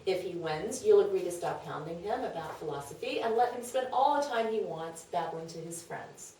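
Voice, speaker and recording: A woman's voice: lowish voice, expressive, normal speed, mellow. A woman playing a scheming, worldly confidante in a comedic table read, persuasive, knowing and emphatic. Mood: reassuring. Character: scheming, worldly, brash female confidante of a wife. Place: echoey room, away from mic. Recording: very echoey room, distant mic.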